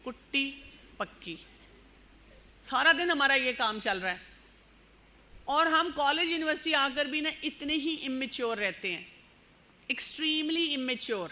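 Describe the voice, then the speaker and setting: A woman giving a frank, lively lecture on parenting and youth, acting out little scenes as she goes. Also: sits high.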